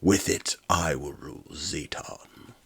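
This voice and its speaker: A man's voice: a bass voice, slow, slightly rough, dry recording, heavily acted. A man voicing scheming, cruel robot-warlord villains in a hammy, dramatic storybook reading. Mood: gloating, commanding.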